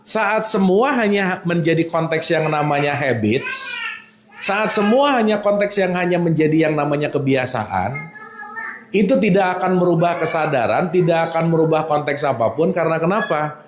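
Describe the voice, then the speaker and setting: A man's voice: fairly high pitch, moderate pace, echoey room. A man giving a casual religious lecture, teasing and checking in with his listeners. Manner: animated, teasing, checks in with the audience. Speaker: religious teacher.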